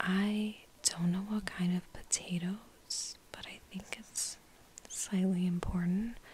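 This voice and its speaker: The voice is soft-spoken and moves at a very slow pace. Noticeable background noise is present. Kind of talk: true crime narration.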